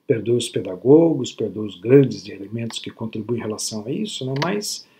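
A man in his sixties from Brazil giving a spiritist lecture over a video call from home, teaching in a measured way and often checking that listeners follow along. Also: lowish voice, sing-song, gravelly, dark tone. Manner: teacherly, frequent tag questions. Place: home room at night. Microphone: laptop webcam video call.

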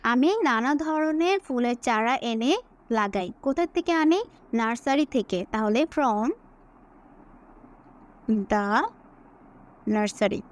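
Slow Bengali-accented woman teaching English. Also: a little high. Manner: repeats English phrases slowly word by word, explaining in Bengali; asks and answers her own questions. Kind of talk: slow dictation-style English lesson.

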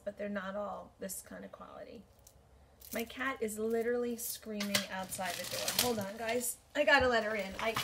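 A woman's voice: on the high side, a bit bright, slight background noise. A woman in her forties, chatting casually and thinking aloud with many ums as she sorts jewelry in her bedroom, recorded by a camera at desk distance. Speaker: vintage jewelry reseller. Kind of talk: casual show-and-tell haul video. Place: bedroom, indoors.

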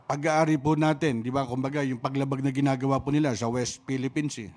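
A man's voice: mid-range voice, fairly even intonation, fast, darkish tone. Polite man hosting in a radio studio. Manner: polite, hedging questions. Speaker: radio host. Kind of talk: radio interview. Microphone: studio mic on stand.

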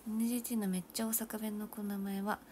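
A young woman idol chatting casually on a livestream, answering viewer comments in a soft, often half-whispered, self-mocking way. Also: medium pitch, little pitch movement, fast talker, slight background noise. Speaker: idol streamer.

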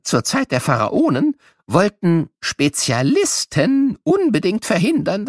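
An actor playing an excitable, playful elderly cartoon scientist who stumbles over words as he teaches children in an educational audio drama. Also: high-pitched, no room sound, clean studio sound, heavily acted.

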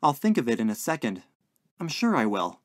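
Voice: medium pitch, sing-song, brisk, no room sound, clean studio sound, lightly acted. A narrator voicing a polite, earnest young man in a story, hesitant and puzzled as he searches for his words. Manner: hesitant, searching, well-mannered.

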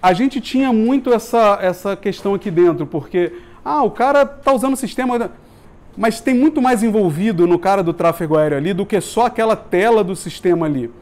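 A man's voice: high-pitched, fairly quick. A man in his thirties with a Brazilian accent, giving a casual, jokey meetup talk in a small office room, recorded from a far camera. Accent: Brazilian Portuguese. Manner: informal, jokey, swears casually, lively hand gestures. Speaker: meetup speaker on UX.

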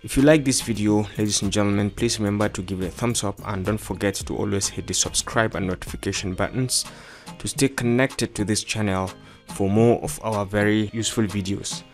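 A man giving an explanatory software tutorial as presenter, with formal, instructional phrasing. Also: lowish voice, steady tone, a little fast. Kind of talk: explanatory screen-recording tutorial. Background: background music.

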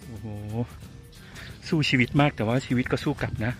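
A man's voice: medium pitch, normal speed. A chatty man films himself on foot, exclaiming and talking straight to his viewers as he goes. He records on a handheld camera outdoors, in an everyday mid-range voice. Faint music plays underneath. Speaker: vlogger. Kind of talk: casual walking vlog. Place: outdoors on a street and in a garden cafe.

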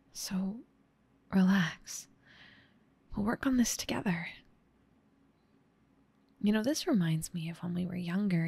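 In an ASMR roleplay, a woman plays a gentle, caring big sister, often whispering in a soft, tender, soothing way. Her medium-pitched voice is slightly scratchy and rough, with vocal fry and no room sound.

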